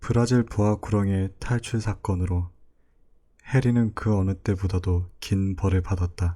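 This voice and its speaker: A man speaks very slowly in a dark, mellow, somewhat breathy tone with fairly even intonation. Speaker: audiobook narrator. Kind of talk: audiobook reading.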